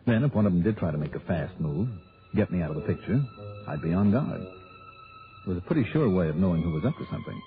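A man's voice: low-pitched, lively intonation, quick pace, soft background music. An actor playing a wry, skeptical male insurance investigator who also narrates in first person, in 1960s radio drama style. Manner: dry, wisecracking, skeptical. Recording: tinny old radio broadcast.

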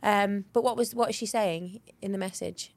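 A woman's voice: medium pitch, steady tone, normal speed, vocal fry, dry recording. Chatty British woman in her thirties. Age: 30s. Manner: chatty, swears casually, acts out quotes. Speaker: podcast co-host. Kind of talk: casual chat.

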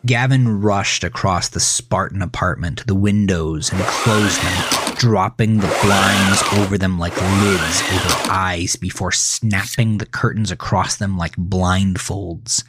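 A man narrating a horror thriller story in an intense, suspenseful way, often dropping to a breathy hush. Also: deep voice, fairly even intonation, takes it slowly, few pauses, very noisy. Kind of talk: dramatic scripted storytelling. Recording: loud music under the voice. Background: loud music bed.

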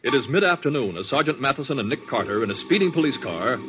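Animated male old-time radio announcer. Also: medium pitch, quick pace, over music. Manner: formal, dramatic. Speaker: announcer and narrator. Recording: muffled old radio recording.

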